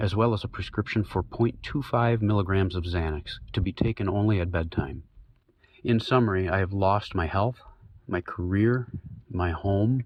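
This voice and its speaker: Somewhat breathy, a man's fairly low voice moves at a moderate pace with ordinary pitch variation. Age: 50s. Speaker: benzo withdrawal sufferer sharing story. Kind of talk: testimony.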